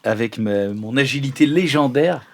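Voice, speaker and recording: A man of medium pitch with very lively intonation, taking part in a tabletop game. He explains his moves informally and hesitantly. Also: moderate pace. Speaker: role-playing game player. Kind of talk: casual improvised play, describing his actions.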